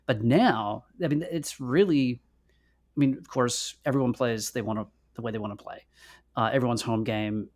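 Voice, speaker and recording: A man's voice: mid-range voice, normal speed, a little mellow. A man co-hosting a podcast livestream in a casual, conversational way. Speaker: podcast co-host.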